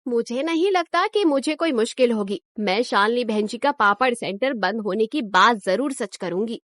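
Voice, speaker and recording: A woman's voice: fairly high pitch, animated, moderate pace, a bit bright, no room sound, clean studio sound. A woman voicing a proud, greedy village woman in a cartoon story, who talks in a boastful, indignant way. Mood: defiant.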